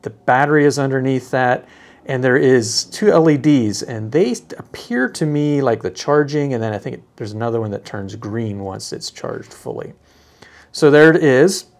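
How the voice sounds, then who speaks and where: A man giving a casual, unscripted product demonstration, speaking haltingly as he thinks aloud. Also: mid-range voice, lively intonation.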